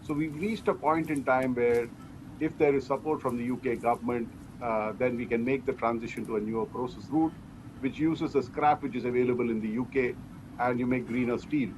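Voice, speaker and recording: Man answering questions over clear background noise. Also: mid-range voice, steady tone, brisk. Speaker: steel company executive. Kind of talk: earnings interview answers.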